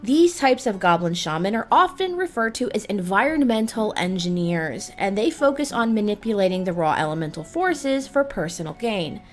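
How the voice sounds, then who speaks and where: A woman's voice: medium pitch, big pitch swings, moderate pace, hardly any pauses, faint music behind. A woman host narrating a scripted explainer in the style of a video game guide.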